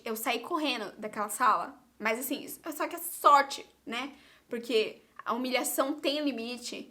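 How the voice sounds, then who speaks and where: A young Brazilian woman with a Brazilian Portuguese accent tells a story straight to camera in a vlog. Her voice sits high and sounds bright. She keeps it dramatic and animated, calling out to her viewers again and again. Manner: animated and dramatic, often addresses viewers directly. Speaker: vlogger.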